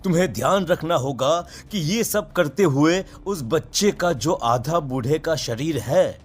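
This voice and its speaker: Man playing a grave, higher-voiced Hindu priest. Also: measured pace, breathy edge. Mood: urgent warning. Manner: solemn, ominous, commanding. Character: grave, foreboding male Hindu priest giving warnings. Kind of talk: animated horror story dub.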